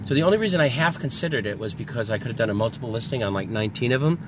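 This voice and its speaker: A man's voice: mid-range voice, animated, racing. A man chatting casually as a vlogger and reseller, explaining things in a rambling, conversational way. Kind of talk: casual vlog chat about secondhand finds. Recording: clearly noisy, ambient background.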